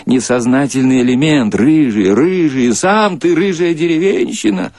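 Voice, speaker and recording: A man voicing a stern, gruff military commissar who scolds in an emphatic, colloquial way. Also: mid-range voice, measured pace, a little mellow, no echo, voice pushed up. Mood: exasperated, scolding.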